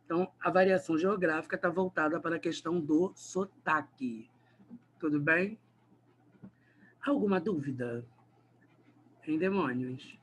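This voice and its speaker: A man's voice: a little high, unhurried, pauses often, fairly bright tone, a little hiss or hum. A man from Rio de Janeiro with a Carioca accent, a Portuguese teacher giving a chatty, teasing grammar lesson online. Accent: Carioca Brazilian Portuguese. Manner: chatty, teasing, talks straight to the students.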